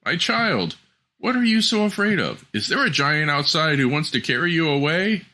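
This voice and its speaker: A man's voice: on the high side, very animated, normal speed, bright, forceful tone, voice pushed up, full character voice. A man voicing a fatherly, firm king in a fairy tale. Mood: concerned.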